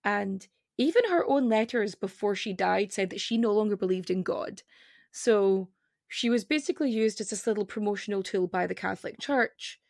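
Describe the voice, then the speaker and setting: Woman with a regional accent, podcast guest, casual rapid chat, self-interrupting, mid pitch, dead dry room. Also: lively intonation, creaky, darkish tone, no echo. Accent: non-standard regional accent.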